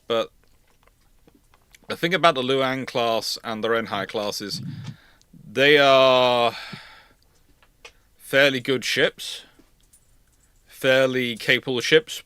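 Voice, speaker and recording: A man's voice: mid-range voice, sharp tone, no room sound. A man hosting an unscripted expert discussion of naval ships, often correcting himself and repeating points for emphasis. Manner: hesitant self-correcting, emphatic repetition. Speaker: host.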